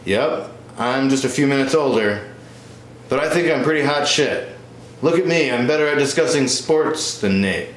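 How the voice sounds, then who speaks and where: Man playing both parts as a smug, animated twin brother. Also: medium pitch, moderate pace, lightly acted. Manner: smug, pedantic. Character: smug, boastful, pedantic older twin brother. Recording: roomy echo with faint noise.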